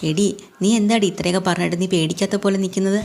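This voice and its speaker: A woman's voice: medium pitch, fairly even intonation, rapid-fire, gravelly, darkish tone, lightly acted. A woman voicing a hot-headed young husband who blusters and threatens. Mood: threatening.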